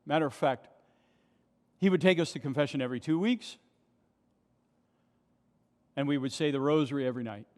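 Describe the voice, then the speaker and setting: Speaking a little fast and pausing often, this male pastor has a slightly high voice. He preaches passionately at the pulpit mic of a vast, mostly empty church, firing off rhetorical questions while long reverb fills the space.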